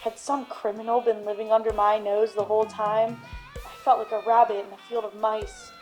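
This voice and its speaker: A woman plays a hard-boiled radio-drama detective with a mid-pitched voice. The delivery is brooding and theatrical, world-weary and given to melodrama, with music underneath. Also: little pitch movement, normal speed, darkish tone, close to an everyday voice. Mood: brooding narration. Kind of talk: noir radio drama narration.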